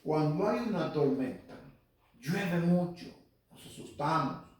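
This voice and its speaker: A man's voice: on the high side, slow pace, a little mellow. A man teaching the Bible to a congregation, quoting scripture and speaking to listeners by name. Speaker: lay Catholic preacher. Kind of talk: Spanish-language Bible teaching. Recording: very echoey hall, from far off.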